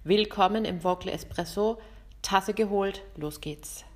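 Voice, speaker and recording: A woman, hosting a podcast lesson as a vocal coach, talking directly and lively to the listener. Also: mid-range voice, measured pace, over loud music. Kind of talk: podcast lesson on singing technique.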